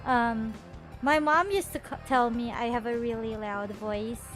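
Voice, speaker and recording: A woman's voice: on the high side, a little slow. A woman streamer chatting casually with her viewers, bubbly and rambling, often restarting her sentences and laughing. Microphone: earphones with a desktop mic. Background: faint background music.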